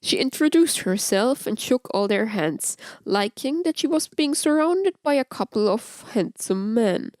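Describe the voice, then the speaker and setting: A woman's voice: fairly high pitch, animated, a little slow, few pauses, darkish tone, dry recording. A woman reading scripted fan fiction aloud as an audiobook narrator.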